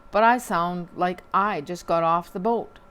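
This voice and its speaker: A woman reading local newspaper items aloud at a measured pace, with small slips and dry asides. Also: on the low side, a bit bright, clean tone.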